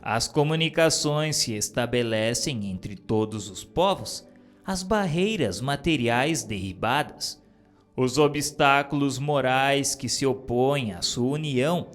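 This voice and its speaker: Over soft background music, a man with a mid-range voice reads a spiritist text aloud slowly. His delivery is solemn and formal, though he occasionally stumbles over the words.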